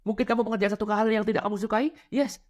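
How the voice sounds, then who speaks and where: Guy coaching on money n happiness, fairly high voice, keeps asking questions, acts out little scenes. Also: fairly even intonation, very fast. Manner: rhetorical questions, acts out little scenes, mixes English words. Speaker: financial and spiritual coach. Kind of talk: motivational talk.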